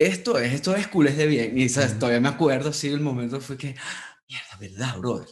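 The speaker is a man with a fairly high pitch. His voice is somewhat breathy, with lively intonation. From Venezuela, Puerto Ordaz area. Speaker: football podcast co-host. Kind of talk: casual chat.

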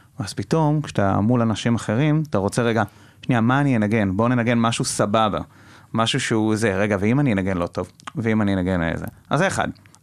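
A man with an unremarkable speaking voice, medium pitch and ordinary pitch variation, going at a fairly quick pace with very even loudness. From Israel, Golan Heights kibbutz. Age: 20s. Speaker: communications student and metal band musician. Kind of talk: casual chat. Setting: studio.

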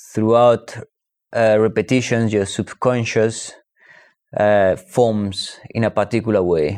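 Speaking at a fairly slow pace, a man with a Spanish accent keeps a fairly low pitch and a monotone, flat intonation. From Spain. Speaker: private chef. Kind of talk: casual chat. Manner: halting, with fillers.

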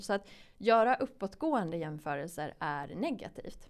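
A woman talks with lively intonation. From Sweden, Lindesberg. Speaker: researcher. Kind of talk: interview. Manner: halting.

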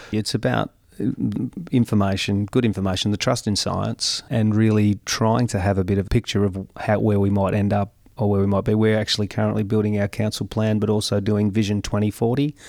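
The speaker has an Australian accent and a fairly quick pace. The intonation stays fairly even. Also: man, fairly low pitch for a man, very even loudness. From regional Victoria, Australia (Mildura area). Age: 50s. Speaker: mayor. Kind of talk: casual interview. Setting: in-person interview in Mildura.

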